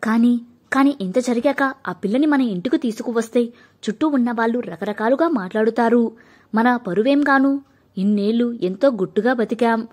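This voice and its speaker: A woman voicing a stern middle-aged mother who is proud and fierce about family honour, talking in a sharp, scolding way. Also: on the high side, moderate pace, close to an everyday voice. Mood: pained, firm. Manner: sharp and scolding, softening into grief.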